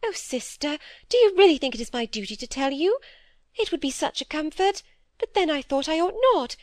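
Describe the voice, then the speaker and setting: A woman's voice: sits high, expressive, fairly quick, no room sound, clean studio sound, voice pushed up. A woman voicing a timid, tearful elderly spinster who talks in an anxious, pleading flutter. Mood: fretful.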